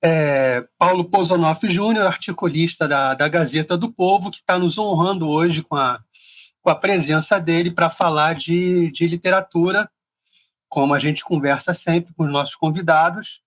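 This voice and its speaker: A man's voice: fairly high pitch, normal speed, a bit bright. A man with a Carioca accent hosting a podcast, chatting casually with many small restarts. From Rio de Janeiro. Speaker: podcast host. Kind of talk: casual interview chat.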